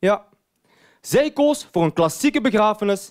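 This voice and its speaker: The setting behind this man is quiet. He talks at moderate speed. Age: 20s. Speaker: stand-up comedian. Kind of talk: stand-up. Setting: stage with audience. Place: stage. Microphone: handheld.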